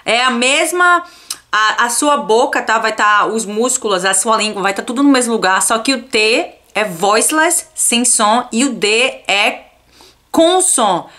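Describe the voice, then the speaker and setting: A young adult woman from Brazil teaching a casual video lesson on English pronunciation, repeating words slowly for learners and checking in often. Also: a little high, animated, sharp tone.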